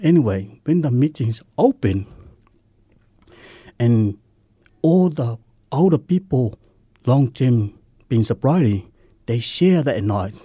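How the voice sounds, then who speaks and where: A man from Samoa with a Samoan accent tells his story in earnest, halting English, the grammar simple and searching. His voice is mellow and dark, and the recording is close and dry. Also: mid-range voice, lively intonation, slightly rough, no echo. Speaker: guest sharing recovery story. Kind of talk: radio interview.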